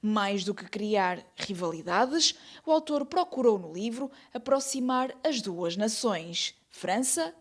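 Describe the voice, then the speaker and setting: A woman's voice: mid-range voice, expressive, slow, few pauses. A woman, reading scripted news narration evenly.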